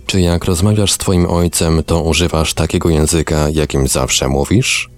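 A man reading the part of a hypnotist who asks calm, measured questions. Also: extremely low pitch. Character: calm male hypnotist asking steady questions. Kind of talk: reading a hypnosis session transcript aloud.

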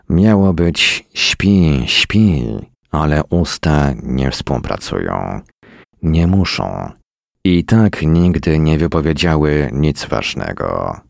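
A man reading a first-person story in a weary, deadpan manner at a close mic. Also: extremely low pitch, creaky, no room sound. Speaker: narrator.

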